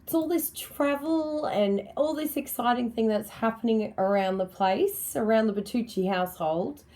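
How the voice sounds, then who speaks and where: A middle-aged Australian woman with a slightly croaky voice, chatting upbeat and friendly through a live card-making tutorial and greeting viewers by name. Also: on the high side, moderate pace, dark tone. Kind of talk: live-stream tutorial chat.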